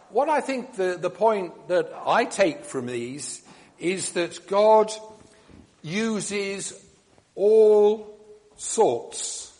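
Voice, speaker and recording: A man with a fairly high voice leads a church service. He talks slowly and carefully, pausing with ums, and each phrase rings out in a long cathedral-like reverb. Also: darkish tone. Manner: measured, with frequent ums and uhs. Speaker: minister leading a church service. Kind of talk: sermon reflection and blessing.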